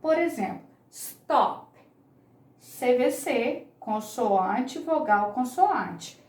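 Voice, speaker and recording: A woman's voice: a little high, animated, slow, a little mellow, echoey room. A woman, teaching English grammar in an online lesson, patiently repeating each key point.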